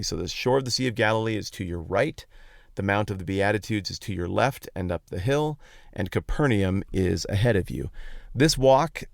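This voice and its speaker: A man's voice: fairly low pitch, creaky, no echo, studio quality. A man hosting a podcast, giving a casual, conversational Bible teaching talk in informal, explanatory language. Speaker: podcast host.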